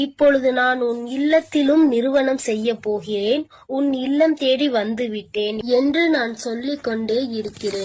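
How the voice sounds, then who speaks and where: A woman voicing goddess Varahi, motherly. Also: on the high side. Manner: addresses listener as her child, firm and instructive. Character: motherly goddess, protective yet stern. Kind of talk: devotional divine message.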